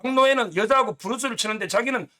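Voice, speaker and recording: A man's voice: extremely high pitch, quick pace, bright, forceful tone. A man commenting on politics in a talk show, blunt and scornful, using coarse insults.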